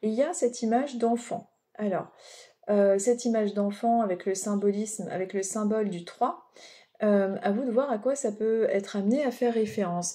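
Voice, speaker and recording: Chatty French woman with a mellow voice. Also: mid-range voice. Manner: chatty, rambling, digressive with many fillers. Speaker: medium giving oracle card readings. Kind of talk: casual spiritual guidance talk.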